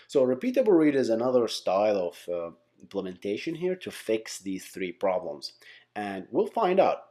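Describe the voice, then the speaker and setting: A man with a fairly low, dark and relaxed voice teaches in an informal style. He talks things through as he goes, rambling a little and doubling back to repeat or fix his words. It sounds like a casual explainer for an online class. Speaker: tech teacher and channel host. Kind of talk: casual whiteboard-style lesson, explaining by example.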